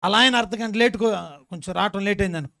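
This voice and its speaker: A male pastor delivers a sermon in a high voice. He keeps asking the congregation questions and answering them himself, repeating key words with emphasis. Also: fast, creaky, sharp tone. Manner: call-and-response questions to the congregation, emphatic repetition.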